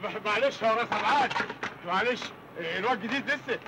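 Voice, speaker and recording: A man's voice: sits high, fast talker, very noisy, natural voice. An actor playing an exasperated, put-upon middle-aged uncle who scolds his nephew in a comedy film. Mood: soothing.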